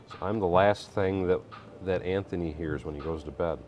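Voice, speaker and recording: A man's voice: sits low, darkish tone, a little hiss or hum. A middle-aged man hosting a live building stream, chatting casually, reading viewer comments and laughing easily. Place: indoor workshop room.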